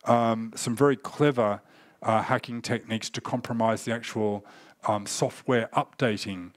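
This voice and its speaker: A man who is getting over a cold, giving a conference talk with many pauses and fillers. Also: lowish voice, fairly even intonation, dry recording, clean studio sound. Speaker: cybersecurity speaker.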